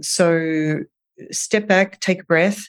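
The recording is very clean, with a silent background. A woman speaks in a very deep, low pitch with fairly even intonation. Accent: Australian. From Australia. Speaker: registered dietitian, treatment center founder. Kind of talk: interview.

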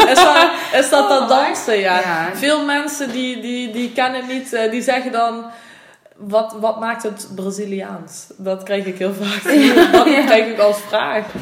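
Over noticeable background noise and audible room echo, a woman with a fairly high pitch talks at a very slow pace with lively intonation. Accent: Limburg. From Limburg, Netherlands. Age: 20s. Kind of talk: casual interview. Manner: halting.

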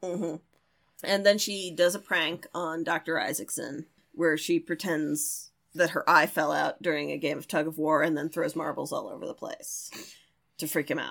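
A woman with an American accent and a normal speaking voice, fairly low in pitch, at a moderate pace with ordinary pitch variation. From Maryland. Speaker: podcast co-host. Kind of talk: casual chat.

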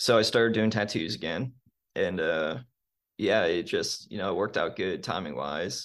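With an American accent, a man talks at a moderate pace and fairly low pitch, with ordinary pitch variation and a plain, everyday voice. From Ohio, between Akron and Cleveland. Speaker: moped rider and tattoo artist. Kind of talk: casual chat.

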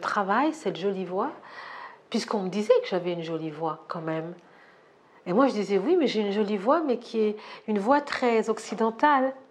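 A soft-spoken woman talks at a fairly quick pace in a calm tone. Her intonation is lively, and she takes long, frequent pauses. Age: 50s. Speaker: therapist and coach. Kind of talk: personal testimony. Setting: self-recorded. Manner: calm, modulated.

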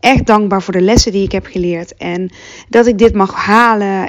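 A woman talks at a fairly slow pace. Her medium pitch stays fairly even in intonation. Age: 30s. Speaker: podcast host and yoga teacher. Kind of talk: personal monologue. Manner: halting.

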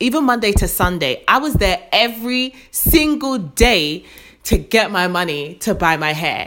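A woman with a London accent at a fairly slow pace. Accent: British, London. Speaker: podcast host and founder. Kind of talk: casual personal storytelling. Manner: casual, chatty, with fillers.

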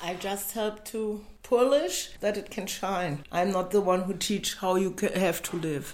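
With a German accent, a woman speaks at medium pitch with ordinary pitch variation and hardly any pauses. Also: fairly slow pace. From Germany. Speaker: psychotherapist. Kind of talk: casual interview. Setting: in a home in Berlin.

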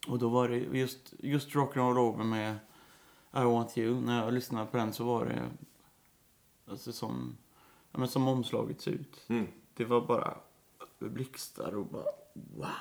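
A man at a fairly slow pace, with fairly even intonation and long, frequent pauses. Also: medium pitch for a man. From Sweden, Uddevalla (west coast). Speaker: rock guitarist. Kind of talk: casual interview.

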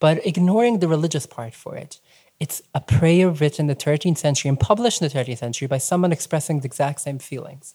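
A woman speaks very fast in a very deep, low pitch, her tone dark and mellow and somewhat breathy. Her loudness swings widely. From New York. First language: not English. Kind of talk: public talk with interviewer. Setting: live event with audience.

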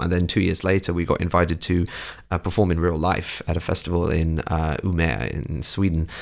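Against a silent background in a very clean recording, a man speaks with a very deep, low pitch. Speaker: a cappella producer, arranger and singer. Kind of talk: interview.

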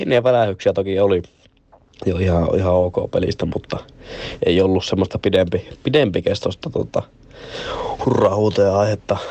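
A man's fairly low-pitched speech with long, frequent pauses amid noticeable background noise. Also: ordinary pitch variation, moderate pace. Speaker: fan sending voice message. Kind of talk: voice message.

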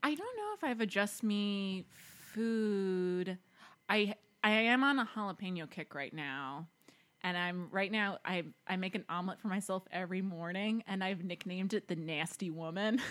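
A woman with an American accent, medium pitch, ordinary pitch variation and a moderate pace, an unremarkable speaking voice on a very clean recording with a silent background. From New Jersey. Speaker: comedian. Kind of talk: casual chat.

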